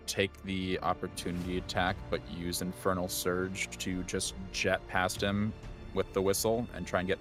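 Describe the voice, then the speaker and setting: A man's voice: deep voice, fairly bright tone. A man playing a tabletop game, thinking his moves through aloud with lots of hesitant ums. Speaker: player.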